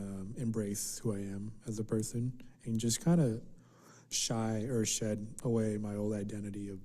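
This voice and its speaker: A man whose first language is Vietnamese, giving a thoughtful personal narrative in an interview, pausing with fillers as he talks. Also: fairly low pitch, warm tone. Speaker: interviewee in heritage language archive.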